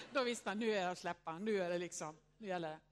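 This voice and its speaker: A woman's voice: lowish voice, smooth. A woman around sixty tells a personal story to an audience, earnest and reflective, often filling her speech with little hesitation words. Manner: acts out quoted voices in her story.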